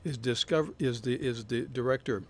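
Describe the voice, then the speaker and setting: A man's voice: medium pitch, fairly quick. A man with a rich, suave voice, joking casually as he drops in at a studio control room. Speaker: voice actor dropping in on show.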